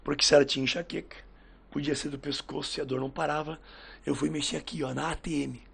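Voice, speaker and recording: Hosting a casual podcast chat, a man tells stories and acts out the quoted dialogue as he goes, a lively storyteller. His voice is a little high, fast, husky, and has vocal fry.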